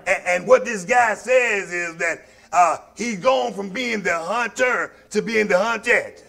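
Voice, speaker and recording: Male preacher, Southern African American accent, high voice with a creaky rasp, folksy and emphatic sermon delivery. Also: slow pace, sharp tone. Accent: Southern African American English. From Mississippi, US. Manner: folksy, emphatic, repeats phrases for effect. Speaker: pastor preaching to a congregation. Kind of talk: sermon with call and response.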